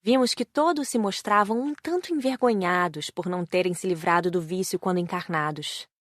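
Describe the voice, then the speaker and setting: A Brazilian-accented woman reading scripted audiobook narration in measured, clearly phrased sentences. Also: fairly low pitch, dry recording, studio quality.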